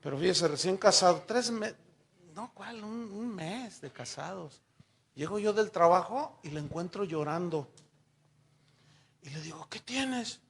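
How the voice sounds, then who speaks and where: An older Mexican pastor preaching with animated storytelling, his voice high-pitched and bright with a gravelly edge. He acts out every exchange in his stories, jumping up into raised, excited tones. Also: measured pace, long pauses. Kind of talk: sermon with personal anecdotes.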